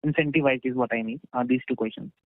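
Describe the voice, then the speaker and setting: A man's voice: medium pitch, fairly even intonation, fast talker, no room sound. Indian guy on a dull dry phone conference, analyst asking questions politely, off the cuff. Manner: polite, interjects short acknowledgements. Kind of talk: earnings call questioning, spontaneous. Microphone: conference call. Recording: muffled dry conference call line.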